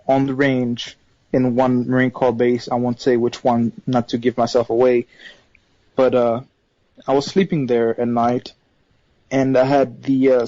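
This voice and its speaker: Hesitant caller from Haiti, dull phone line. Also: male voice, medium pitch, mellow, no echo. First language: not English; third language. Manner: hesitant, many fillers and restarts. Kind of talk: phone-in call, telling a personal story.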